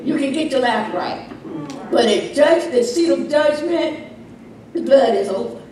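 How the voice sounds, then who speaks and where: A woman delivers a fiery doomsday sermon in a fairly high voice, exhorting and warning of judgment. She drives points home with repetition and rhetorical questions. The recording is heavily echoing, with her voice somewhat distant from the microphone. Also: expressive, unhurried, darkish tone, slight background noise. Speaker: preacher. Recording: very echoey room, distant microphone.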